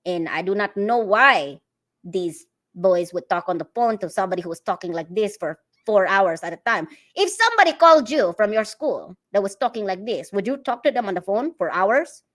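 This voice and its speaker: A woman putting on a chatty disguise persona with a fake foreign accent, exaggerated, halting and repetitive, in casual livestream talk. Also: mid-range voice, animated, a bit bright, lightly acted. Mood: insistent. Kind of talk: casual livestream chat in a put-on voice.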